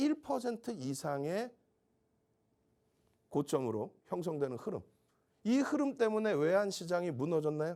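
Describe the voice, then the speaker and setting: A man speaks with a high pitch and a dark, mellow tone. His pitch swings very widely, and he leaves long, frequent pauses. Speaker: stock market analyst. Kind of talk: market commentary broadcast. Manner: fast; animated.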